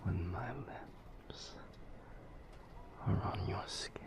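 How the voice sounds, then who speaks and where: A man's voice: low voice, heavily acted. Man as a whispering, seductive male vampire lover. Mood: sensual, adoring. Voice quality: breathy whisper, gravelly. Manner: slow, lingering, sensual delivery. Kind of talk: intimate romantic audio roleplay, ASMR.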